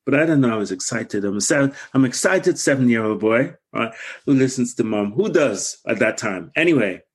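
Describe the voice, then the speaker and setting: Husky man telling his story. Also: mid-range voice, lively intonation, fairly quick. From Guyana. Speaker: guest.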